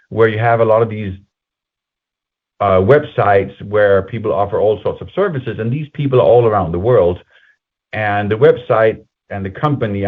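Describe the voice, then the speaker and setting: A man presenting company results on a conference call in a halting, conversational, explanatory way, as an executive speaking to investors. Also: lowish voice. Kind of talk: semi-scripted earnings call presentation. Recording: muffled phone-like conference call line.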